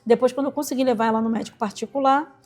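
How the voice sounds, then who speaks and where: Racing through an emotional personal story, this woman has a voice on the high side and an animated manner, acting out the voices she quotes. She's an entrepreneur and singer from Rocinha in Rio de Janeiro, Brazil, appearing as an interview guest.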